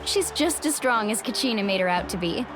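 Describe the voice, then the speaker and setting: A woman's voice: medium pitch, expressive, fairly quick, lightly acted. A woman playing a confident, friendly young tribal heroine in a video game, breezy and self-assured. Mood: upbeat, assured. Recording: game music behind the voice.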